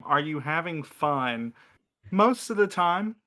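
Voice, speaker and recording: A man's voice: fairly high pitch, expressive, slow, bright, forceful tone. A man chatting casually on a podcast panel in a dry, wry way. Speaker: podcast cast member, writer and editor.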